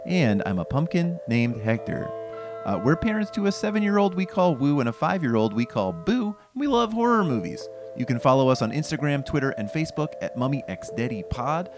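A man's voice: mid-range voice, big pitch swings, fairly quick, music in the background. A man co-hosting a podcast in casual chat, with a playful, dry joking manner. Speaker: podcast co-host.

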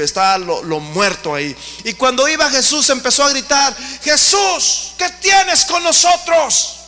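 A male pastor, preaching a fervent sermon that rises to shouts. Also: sits high, in a large hall.

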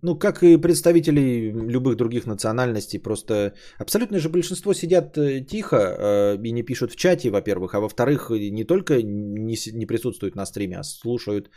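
A man in his late thirties, hosting a casual stream and chatting with his audience in a rambling, opinionated way, with lots of fillers and pitch that jumps up when he gets indignant. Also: expressive, moderate pace, few pauses, warm tone. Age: 30s. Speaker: podcast host streaming. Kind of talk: casual stream chat reading donations.

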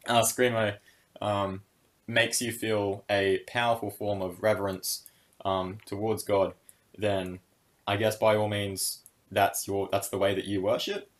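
Deep-voiced man musing with many fillers. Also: flat delivery, unhurried. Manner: thoughtful, hesitant, many fillers and restarts. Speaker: podcast co-host. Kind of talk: casual discussion.

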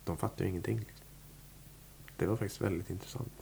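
A man's voice: low voice, steady tone, vocal fry, warm tone, slight background noise. A man, a musician, talking casually in an interview, rambling with many fillers and restarts. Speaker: musician guest. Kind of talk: relaxed interview talk.

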